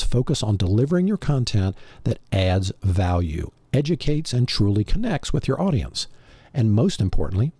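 Husky, animated male podcast host. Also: fairly low pitch, no room sound. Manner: rhetorical, addressing the listener directly. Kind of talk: scripted motivational monologue.

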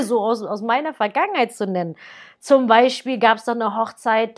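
A woman in her thirties, born in Germany, talking casually and directly to the listener as a wedding planner giving advice. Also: a little high. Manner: chatty, lively, speaks directly to the listener.

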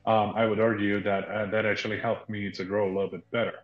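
Low-voiced man, roomy sound. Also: level tone, phone-quality sound, soft background music. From Slovakia. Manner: measured, explanatory, often slows to stress key points. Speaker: guest, fitness product founder. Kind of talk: explanatory interview answers.

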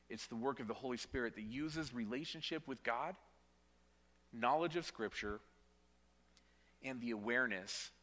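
A male pastor preaching a sermon in a church. He speaks emphatically, repeats words as he goes, and drops to quiet, weighty lines. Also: medium pitch, big-room sound. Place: church sanctuary.

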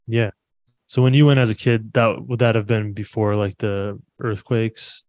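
A man's voice: on the low side, little pitch movement, normal speed, a little mellow, dry recording. A man hosting a podcast, talking in an easygoing, chatty way and laughing often. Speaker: podcast host. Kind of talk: casual interview chat.

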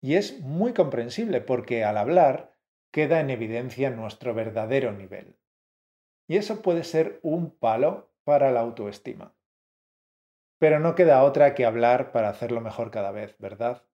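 Mellow-voiced man, muffled podcast sound. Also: medium pitch, expressive, moderate pace. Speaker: co-host of a Spanish-learning podcast. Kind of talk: scripted podcast teaching.

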